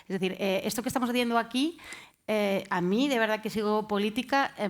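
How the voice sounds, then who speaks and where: Hesitant woman panelist. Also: mid-range voice. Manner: hesitant, many fillers. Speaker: panelist, journalist. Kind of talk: panel discussion.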